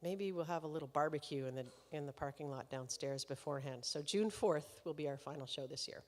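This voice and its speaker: A low-voiced woman emcees a live concert, speaking to the audience in a chatty, easygoing way with frequent laughter. Her voice rings out with a long reverb tail from the concert hall around her. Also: brisk. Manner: chatty and warm-hearted, laughing between remarks. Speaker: concert series host. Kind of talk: live stage introduction to an audience.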